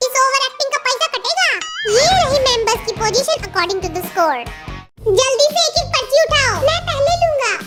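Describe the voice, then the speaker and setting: A squeaky chipmunk idol boy. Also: lively intonation, normal speed. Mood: teasing. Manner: mocking, playful banter. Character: squeaky sped-up cartoon idol boy, cheeky and teasing. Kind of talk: comic fan dub of a game show. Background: loud music.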